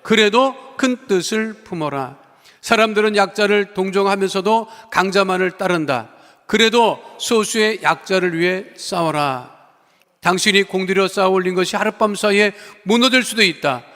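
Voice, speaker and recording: A male pastor preaching and praying fervently, with emphatic declarations that swell loud and fall soft. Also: high-pitched, moderate pace. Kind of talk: sermon and fervent prayer. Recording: long church reverb.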